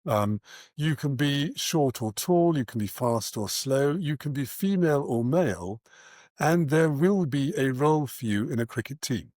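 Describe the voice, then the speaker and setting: A middle-aged man speaks as an interview guest, earnest and articulate. He sits at a medium pitch and measures out his thoughts with pauses, in a close, dry sound. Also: expressive, darkish tone, no echo. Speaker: interview guest, charity founder and cricket coach. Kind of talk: reflective interview answers.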